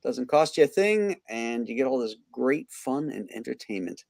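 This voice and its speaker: A man's voice: medium pitch, sing-song, moderate pace, vocal fry, a little mellow, dry recording, clean studio sound. A man hosting a comics livestream in a casual, conversational way. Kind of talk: casual chat.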